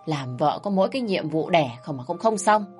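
A woman's voice: expressive, a little fast, darkish tone. A woman voicing a harsh, scolding older mother-in-law who nags shrilly, over faint music. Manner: shrill, nagging, raising her voice.

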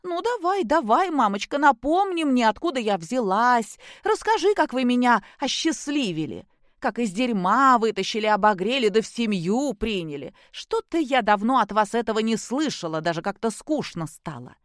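Lady doing a drunk bratty young woman, slurry, whiny, mocking, high and loud. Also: big pitch swings, normal speed, no echo, studio quality. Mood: bitter scornful. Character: drunk spiteful young woman, sulky mother.

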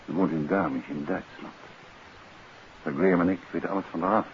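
A muffled, hissy old radio drama recording carries a man acting as a gentleman detective. His voice is low, and he is composed, courteous and firm as he probes with questions. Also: fairly quick, close to an everyday voice. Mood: grave, decisive.

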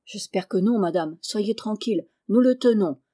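Storybook gentleman, sly and soothing, read by a woman, warm low tone. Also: moderate pace, no room sound, studio quality, lightly acted. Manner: soothing, reassuring. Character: calm, scheming gentleman soothing a friend.

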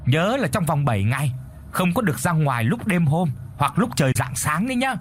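A man voicing a shrill, frightened wild duck begging for its life in a told story. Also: sing-song, brisk, slight background noise. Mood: eager. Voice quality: shrill, thin voice. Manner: pleading, whiny.

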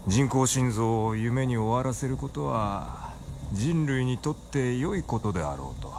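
落ち着いて内省的に語る生理学者を演じる男性俳優。ラジオドラマの芝居。. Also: male voice, medium pitch, animated, a little slow, background noise. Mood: reflective. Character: calm older male physiologist, wistful. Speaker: scientist in the story. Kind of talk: radio drama acting.

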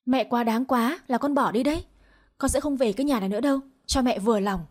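A woman voicing a drunk, short-tempered young husband who shouts and reproaches. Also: a little high, fast, lightly acted. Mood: arguing.

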